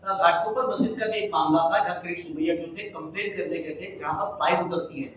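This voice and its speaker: A man's voice: on the high side, brisk, fairly bright tone, distant mic. A man working as a reporter, asking questions at a press conference. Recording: echoey room, off mic, clear noise.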